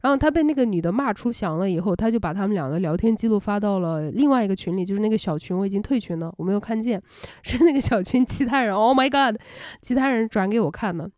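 A woman's voice: quick pace, darkish tone, dry recording, studio quality. Exasperated young woman ranting in bed. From Shanghai, China. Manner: exasperated, acts out quoted voices with rising pitch. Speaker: podcast host. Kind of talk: casual late-night storytelling rant. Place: in bed at home at night. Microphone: close home recording, unedited.

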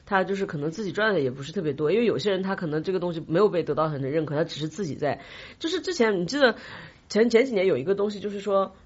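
A woman talks quickly in casual discussion, retelling anecdotes with animated repetition. Her voice is slightly rough and breathy rather than clean. The recording is a bit dull and lo-fi. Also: fairly low pitch. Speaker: podcast co-host.

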